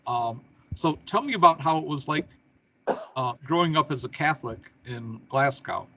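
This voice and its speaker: A man's voice: on the high side, expressive, moderate pace, bright, forceful tone, a little hiss or hum. A middle-aged man hosting an online talk show, speaking in an easygoing, friendly way. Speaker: show host.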